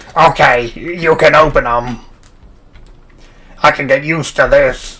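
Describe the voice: A man puts on a character voice. It is fairly high in pitch and fairly slow.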